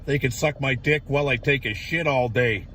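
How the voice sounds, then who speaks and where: A raspy, hoarse man rambles bluntly on a livestream, swearing freely as he talks. He sits in his truck, recorded on a phone held a little away from him. The rumble of passing traffic runs steadily behind his voice. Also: normal speed, fairly bright tone, far from the mic. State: hoarse from yelling. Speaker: livestreamer at a protest. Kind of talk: casual ranting livestream. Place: inside a parked truck.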